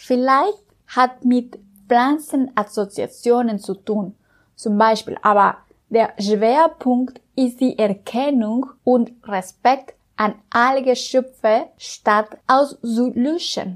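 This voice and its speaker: With a Spanish accent, a woman speaks very slowly in a high voice whose pitch varies an ordinary amount. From Mexico City. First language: Spanish (speaking German). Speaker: podcast host. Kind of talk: scripted narration.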